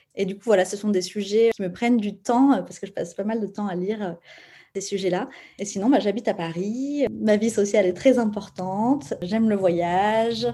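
At a moderate pace, a somewhat breathy, dark, mellow voice shows ordinary pitch variation and big swings in loudness on a very clean recording with a silent background. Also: woman, medium pitch for a woman. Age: 30s. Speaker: naturopath and yoga teacher. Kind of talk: interview conversation.

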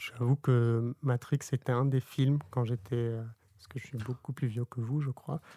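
On a very clean recording with a silent background and a dry, close sound with no echo, a man with medium pitch and a somewhat breathy, dark, mellow tone speaks at a fairly slow pace with fairly even intonation and big swings in loudness. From Burkina Faso. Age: 30s. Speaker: dermatologist and immunology PhD student. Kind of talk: casual interview.

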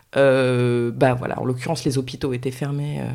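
A woman speaks in a dark, mellow tone. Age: 40s. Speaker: freelance food journalist. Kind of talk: casual interview. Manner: hesitant, many fillers.

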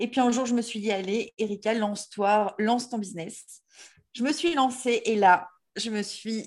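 A woman speaks at a fairly high pitch and a fairly slow pace. Her pitch variation is ordinary, and the background is quiet. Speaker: life coach. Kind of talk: casual interview. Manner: animated.

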